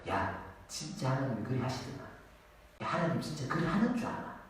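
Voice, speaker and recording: Sly whispering Satan, as a pastor puts him on. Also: male voice, mid-range voice, sing-song, fairly quick, slight background noise, lightly acted. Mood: coaxing. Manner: wheedling, hushed taunts. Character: sly taunting male Satan, coaxing doubt. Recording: echoey hall, mic far off.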